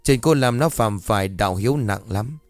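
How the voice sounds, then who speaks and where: A man voicing an old Buddhist monk who speaks in a low, grave, admonishing tone. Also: expressive, no room sound, faint music behind, lightly acted. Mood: stern. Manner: low, slow, solemn admonishing.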